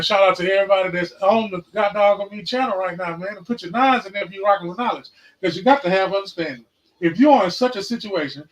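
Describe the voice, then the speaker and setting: A man in his forties hosting a casual livestream podcast, mixing loud, repetitive outbursts with profane, slangy sermon-like talk. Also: sits high, low-quality recording. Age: 40s. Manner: profane, slangy, calls out viewers. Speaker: podcast host. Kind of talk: casual preaching and chat. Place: livestream, home setup.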